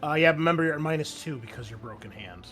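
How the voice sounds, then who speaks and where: A man's voice: fairly high pitch, animated, fast, a bit bright, faint music behind. A man narrating a tabletop roleplaying game as game master, mixing descriptive scene-setting with informal rules talk.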